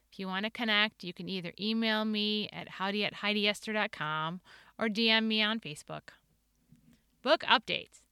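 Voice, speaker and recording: A woman's voice: mid-range voice, pushed and bright, clear, resonant tone, no echo, clean studio sound. A woman in her forties with a Midwestern American accent, hosting a solo podcast in an upbeat, earnest and playful way. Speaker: podcast host.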